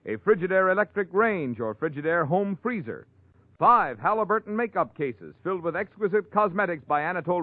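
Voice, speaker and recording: A man's voice: sits high, no room sound. A man as an eager announcer reading a 1940s radio advertisement. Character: eager male radio pitchman. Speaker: commercial announcer. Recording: dry, tinny old radio broadcast.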